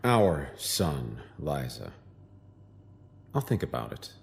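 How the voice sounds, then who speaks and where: A man's voice: a bass voice, very animated, slow, creaky, full character voice. An actor playing a smug, menacing doctor who taunts his captive wife in an audio drama. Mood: smug, teasing.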